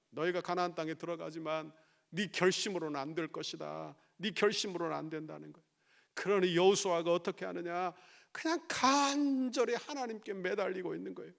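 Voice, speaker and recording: A man's voice: mid-range voice, gravelly. A male pastor preaching a Sunday sermon, emphatic, firing off rhetorical questions and repeating his points to the congregation. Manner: repeats phrases and checks in with the congregation. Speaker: senior pastor.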